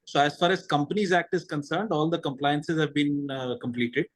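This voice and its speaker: A male company executive talks on a conference call in a fairly high voice. He explains methodically, setting out one point and then the next. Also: fairly even intonation, moderate pace.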